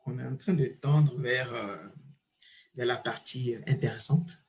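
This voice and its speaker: A man hosts an interview in an easygoing, conversational way. His voice sits at a middle pitch, and he hesitates often and repeats himself as he shapes his thoughts. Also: a little slow, slight background noise. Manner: relaxed, with many fillers and repeated words. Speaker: podcast host. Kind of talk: casual interview chat.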